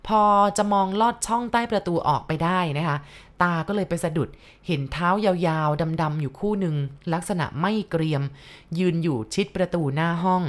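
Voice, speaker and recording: A woman with a fairly low voice tells a ghost story to her listeners. She keeps a polite, courteous tone and speaks to the audience directly. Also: normal speed. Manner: polite, addresses listeners with soft particles. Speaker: horror story narrator. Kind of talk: told ghost story narration.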